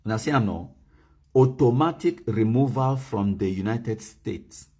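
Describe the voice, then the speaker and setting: A Cameroonian man speaking Pidgin-flavoured English on a livestream, his voice low, dark and a little husky. He slows down to read out legal wording, leans hard on key words, then turns to his viewers and asks them to type in the comments. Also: expressive. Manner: mixes Pidgin and English, reads documents slowly and stresses key words. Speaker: livestream host. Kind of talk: live broadcast commentary, reading legal text aloud.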